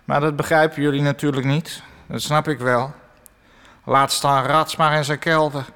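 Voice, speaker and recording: A man's voice: fairly high pitch, flat delivery, moderate pace, sharp tone, clear, resonant tone. An actor playing a gloomy, self-pitying man who sells ads from a newspaper's basement, speaking in a mournful, passive-aggressive way. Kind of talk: radio comedy acting. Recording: long reverb.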